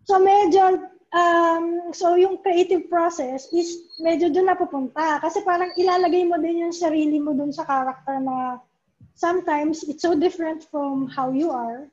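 A woman's voice: very high voice, steady tone, moderate pace, darkish tone. A woman, a comics writer, chatting as an interview guest and mixing English into her talk, often asking "di ba?". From Philippines. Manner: chatty, mixes English into Tagalog, keeps asking "di ba?". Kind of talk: casual conversational interview. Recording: dull lo-fi recording.

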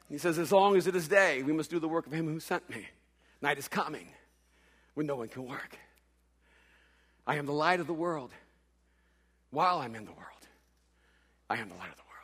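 A middle-aged pastor from El Salvador, Spanish his first language, preaching a sermon that swings from loud declaring to hushed quiet on a stage microphone. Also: fairly high pitch, slightly rough. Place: large church hall.

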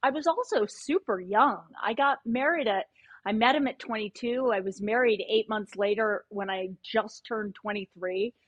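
A woman's voice: fairly high pitch, moderate pace, no echo. A middle-aged woman hosting a podcast, talking candidly and reflectively in casual chat, often restarting her sentences. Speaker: podcast host. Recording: dry, muffled lo-fi mic.

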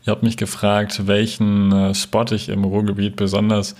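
A man's voice: on the low side, monotone, moderate pace, a little mellow. A man from the Ruhr area in Germany, speaking an informal voice message as a podcast listener.

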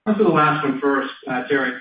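A man's voice: medium pitch, fast, muffled recording. Male executive, roomy echo, distant mic, assured wordy corporate answers, earnings call. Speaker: company executive. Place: conference call from a room.

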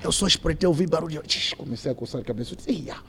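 Lively high-voiced man telling a story. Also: very fast, a little hiss or hum. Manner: acts out the voices of the people in his story. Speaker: podcast guest. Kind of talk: animated storytelling.

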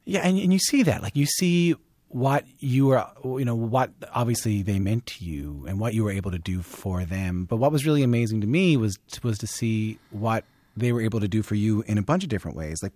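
A man's voice: on the low side, lively intonation, fairly quick, a little mellow, no room sound. A man hosting a radio interview who talks in an engaged, conversational way and often restarts his sentences. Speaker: radio host. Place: radio studio.

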